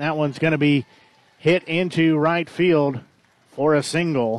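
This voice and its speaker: A man with a plain, everyday voice talks at a moderate pace. His pitch is fairly high, with fairly even intonation. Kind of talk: live baseball play-by-play commentary.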